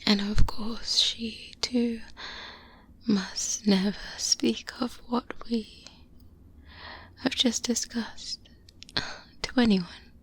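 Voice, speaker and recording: A seasoned vampire hunter, played by a woman, mentors a trainee in a breathy, hushed whisper. The delivery is slow and deliberate, guarded and careful, in the intimate style of a close-up ASMR roleplay. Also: on the high side, steady tone, exaggerated voice. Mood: secretive, wry. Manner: measured, deliberate, hushed, with thoughtful pauses. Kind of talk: soft-spoken ASMR roleplay monologue. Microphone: close-up binaural microphone.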